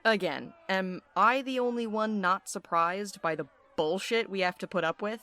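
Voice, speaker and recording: Woman acting blunt, sardonic low-voiced courier. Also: normal speed, pushed and bright, close to an everyday voice. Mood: bitter, sardonic. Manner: dry, sarcastic, blunt. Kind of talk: audio drama acting.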